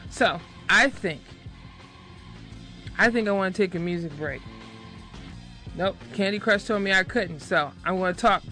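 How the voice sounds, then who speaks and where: A woman's voice: medium pitch, measured pace, pauses often, pushed and bright, faint music behind. A woman hosting a radio show from the studio mic, chatty and upbeat, teasing her guest. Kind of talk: casual radio talk. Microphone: studio microphone.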